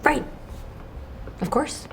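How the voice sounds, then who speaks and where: A woman's voice: very slow, a little hiss or hum. An actress playing an anxious young mother who protects her son, talking tensely and pleadingly. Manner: tense, pleading, hushed at times. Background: music.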